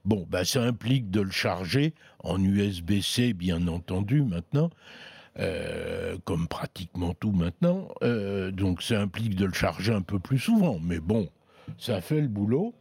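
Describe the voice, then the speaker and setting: A man chatting casually on a radio tech show, reviewing gadgets in an unhurried way with many hesitations. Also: low voice, lively intonation, a little mellow, husky, no echo.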